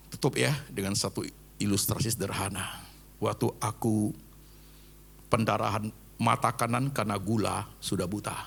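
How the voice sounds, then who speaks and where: A middle-aged man preaches with fervent conviction, his voice full of gravelly fry. He climbs to loud emphatic peaks, then drops to quiet prayer, slipping English words into the sermon. His pitch sits at an ordinary middle height. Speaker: pastor.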